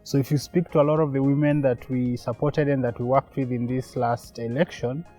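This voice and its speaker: Mellow mid-pitched man explaining a project. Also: fairly even intonation, a little fast, faint music behind. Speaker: project representative. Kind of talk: documentary interview, explanatory.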